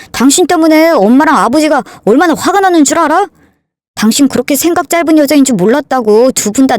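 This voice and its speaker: A self-righteous young husband who lectures and talks down, as a woman reading the story puts him on. The voice stays fairly high and sits dry and close to the mic. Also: darkish tone, dry recording, lightly acted. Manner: lecturing, condescending.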